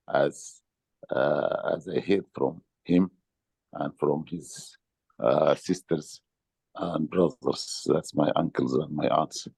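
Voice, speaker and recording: A man recalling family memories as a guest on a video call, halting and often repeating words. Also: low voice, vocal fry, darkish tone, no echo. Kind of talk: reminiscing.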